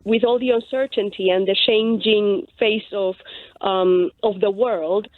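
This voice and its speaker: A woman's voice: medium pitch, fairly even intonation, unhurried, no echo. A woman talking on the radio, thoughtful and searching for her words with many ums. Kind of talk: radio discussion. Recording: tinny phone line.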